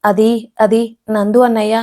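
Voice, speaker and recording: A woman's voice: medium pitch, level tone, moderate pace, mellow, lightly acted. A woman voicing a timid young woman who speaks hesitantly and nervously in a storybook audio tale. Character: timid teasing young woman, sister-in-law.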